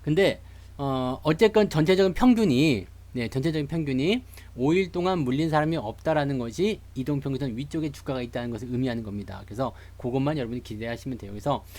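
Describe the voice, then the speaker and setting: A medium-pitched, darkish voice moves at a quick pace as this Seoul streamer covers stock charts live. He keeps things jokey and conversational and greets people in the chat.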